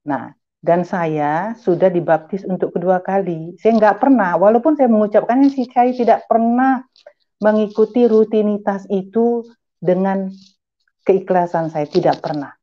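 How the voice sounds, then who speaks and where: A woman's voice: mid-range voice, unhurried, highs cut off. A middle-aged woman giving an earnest, emphatic personal religious testimony, slipping in English phrases. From Malaysia. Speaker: testimony giver.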